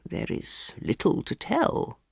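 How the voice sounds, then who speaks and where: A woman voicing a sly, nervous older male palmist who speaks low and evasively. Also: takes it slowly, dry recording, studio quality, close to an everyday voice.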